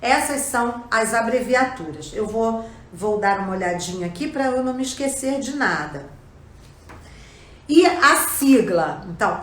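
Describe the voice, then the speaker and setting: Slow, didactic Brazilian woman teacher. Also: medium pitch, fairly bright tone. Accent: Brazilian Portuguese. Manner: didactic, often checks in with the listener. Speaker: language teacher. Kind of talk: explanatory lesson. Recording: echoey room.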